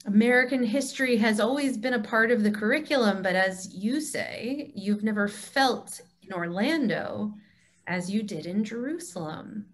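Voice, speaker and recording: A woman playing a wise, assured Jewish mentor in an amateur reader's theatre, speaking in a deliberate, emphatic, teacherly way. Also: medium pitch, natural voice. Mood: earnest, teaching. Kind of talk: amateur reader's theatre dialogue over video call. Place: remote video call.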